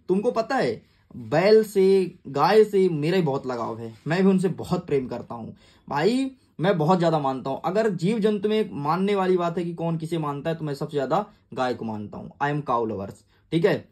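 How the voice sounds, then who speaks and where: Young guy tutor, chatty and casual, kinda high voice, talks to students like pals. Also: darkish tone. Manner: chatty, calls students "yaar" and "bhai". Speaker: teacher. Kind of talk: casual exam-prep lesson.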